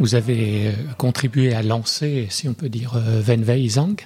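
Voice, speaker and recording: Pitch varying in an ordinary way, the man holds a medium register and speaks very slowly. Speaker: radio host. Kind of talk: interview.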